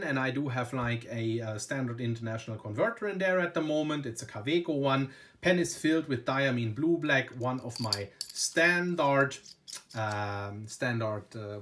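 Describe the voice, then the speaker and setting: A German man speaking English with a German accent, chatting casually and with enthusiasm as he reviews a pen at his desk. He keeps stacking up "very, very" and "you know" in a relaxed, unscripted way. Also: mid-range voice, a little hiss or hum. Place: indoors at a desk.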